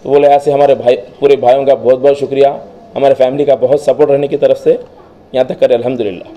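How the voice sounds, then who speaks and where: A man's voice: mid-range voice, little pitch movement, fast, dull audio. A man who owns an optical shop, speaking at a press event in his crowded store and promoting its services. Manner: promotional, listing services and phone numbers. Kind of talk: press statement. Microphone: cluster of press microphones on table.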